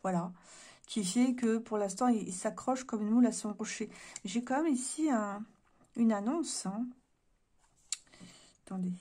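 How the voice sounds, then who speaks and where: A woman's dark-toned, fairly high voice moves a little slowly, with long pauses, as she does a casual card reading to camera indoors. She thinks aloud hesitantly, her voice giving out, and clears her throat.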